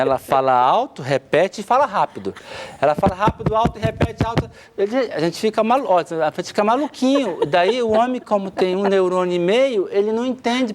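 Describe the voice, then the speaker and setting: Brief: Brazilian man, 50s, family counselor on a studio talk show; animated, plays out little scenes in different voices. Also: high-pitched, slight background noise. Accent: Brazilian Portuguese. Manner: lively, acts out spouses' quotes.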